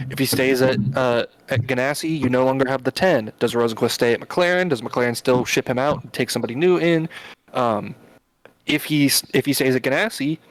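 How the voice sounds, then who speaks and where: A man's voice: mid-range voice, no room sound, rough recording. A man hosting a podcast in casual chat, explaining at length with lots of fillers and restarts. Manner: rambling, filler-heavy explaining. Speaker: podcast host.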